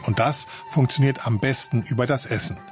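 A male reporter reading a scripted news feature in a measured, even way. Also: medium pitch, faint music behind. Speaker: radio reporter.

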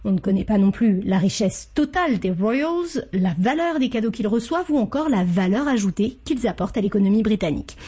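A woman correspondent delivering a scripted radio news report, explaining the details clearly. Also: medium pitch, animated, fairly quick, hardly any pauses, mellow. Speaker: foreign correspondent.

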